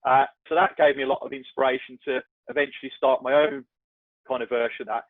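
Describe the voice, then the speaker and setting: A man's voice: mid-range voice, fairly even intonation, fast talker, dry recording. Black country guy chatting on a podcast, pokes fun at himself, restarts a lot, sounds like a tinny phone line. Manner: chatty and self-deprecating, with many restarts. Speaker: podcast guest. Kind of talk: casual podcast chat.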